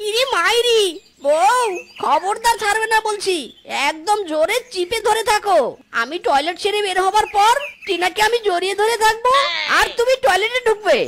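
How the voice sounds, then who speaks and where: A woman voicing an excitable male fox, squealing and exclaiming. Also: very high-pitched, normal speed, background noise.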